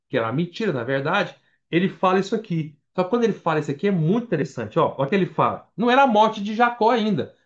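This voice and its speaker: A Brazilian man preaching a Bible study at church, conversational, reading scripture aloud between casual remarks. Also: sits high. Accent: Brazilian Portuguese. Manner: conversational, reads scripture aloud, frequent fillers. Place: church meeting hall. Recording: dull lo-fi church recording.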